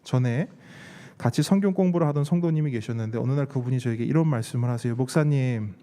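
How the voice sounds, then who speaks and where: A man's voice: medium pitch, fast talker, mellow. A man preaching a sermon as a pastor, putting rhetorical questions to his congregation and repeating key words for emphasis. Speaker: pastor preaching at a church service. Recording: reverberant hall sound.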